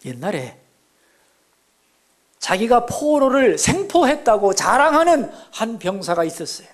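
A middle-aged male pastor preaching a Sunday sermon, asking the congregation questions and swinging between loud exclamations and hushed near-whispers. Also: high voice, sing-song, unhurried. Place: church sanctuary.

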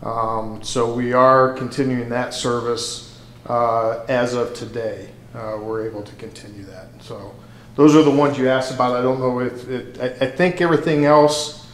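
A man working as city administrator, answering council questions in a halting way with many fillers. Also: mid-range voice. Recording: roomy chamber sound.

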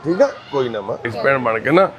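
A man chatting gently and reassuringly with residents of a shelter, greeting the women as mothers and sisters. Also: mid-range voice, animated, fairly quick, muffled recording, crowd noise. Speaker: charity volunteer visiting residents. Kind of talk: casual chat with care-home residents. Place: indoor shelter for destitute people.

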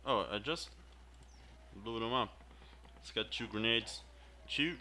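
Slow, bright-voiced man playing a game. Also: mid-range voice, a little hiss or hum. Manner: muttering reactions, repeating in-game lines. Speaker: gameplay video host. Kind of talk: casual gameplay commentary.

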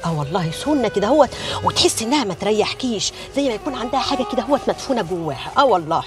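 A woman's voice: mid-range voice, sing-song, racing, over music, natural voice. An actress playing a nosy, gossiping older neighborhood woman with an Egyptian accent and dramatic folksy exclamations. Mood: gossipy. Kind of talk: TV drama acting.

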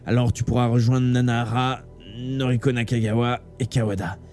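A man voicing a wounded, dying teenage boy in a live audiobook reading, speaking low and quietly through pain. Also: level tone, moderate pace, soft background music, natural voice. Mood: urgent calm.

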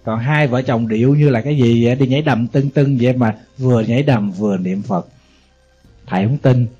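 A man's voice: mid-range voice, fairly quick, dark tone, slightly rough. A male Buddhist monk with a Southern Vietnamese accent, preaching in a conversational way and asking the audience rhetorical questions. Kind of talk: Buddhist sermon. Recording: dull lo-fi audio, faint music behind.

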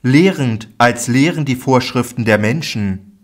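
A man voicing a grave, admonishing teacher, declaiming slowly and emphatically in a Bible audiobook reading. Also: mid-range voice, lightly acted.

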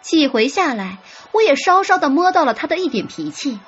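A woman's voice: sits high, big pitch swings, a little fast. A woman narrating a romance audiobook in first person, telling it expressively. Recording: slightly dull audio with soft music.

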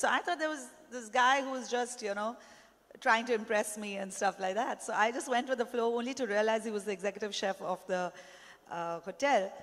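A woman in her thirties moderating a panel on a conference stage, chatty and anecdotal with many fillers, into a handheld mic. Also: a little high. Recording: long hall reverb.

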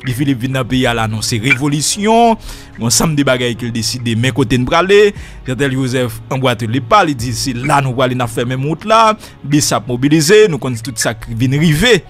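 A man's voice: mid-range voice, animated, fairly quick, a bit bright, soft background music. A man hosting a radio interview, setting up long questions with rising emphasis. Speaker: radio host.

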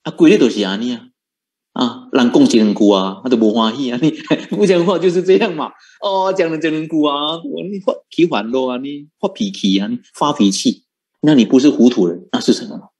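A man giving a Buddhist dharma talk as a monk teacher, asking rhetorical questions and chuckling often. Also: mid-range voice. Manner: animated, rhetorical questions, frequent chuckles and drawn-out particles.

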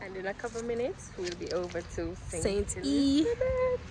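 A woman's voice: mid-range voice, wildly swooping pitch, brisk, a crowd in the background, rough recording. A young Jamaican woman chatting to her phone camera in a casual travel vlog, laughing often. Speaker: vlogger. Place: outdoors at a hillside restaurant and roadside. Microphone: phone camera at arm's length.

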